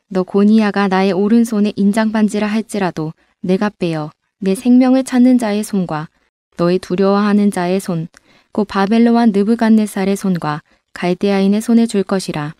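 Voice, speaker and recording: A woman reads scripture aloud in a steady, measured recitation. Her voice is mellow and smooth, with a polished, resonant finish. The recording is dry and close, like a studio voice-over. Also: mid-range voice, dry recording. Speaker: scripture reader. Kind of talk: steady scripted Bible reading.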